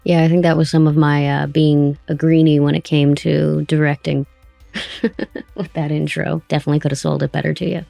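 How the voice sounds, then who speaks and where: A woman with a noticeably creaky voice hosts a relaxed interview. She is chatty and attentive, a little self-deprecating. The sound is close and dry, with faint music behind her. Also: sits low, fairly quick, no room sound. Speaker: interview host, audio drama director. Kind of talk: casual interview chat.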